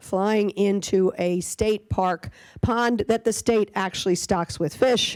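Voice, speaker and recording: A woman with an American accent speaks at a moderate pace in a medium-pitched, dark and mellow voice with fairly even intonation, recorded very cleanly against a silent background with a dry, close sound and no echo. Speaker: politician. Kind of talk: workshop speech.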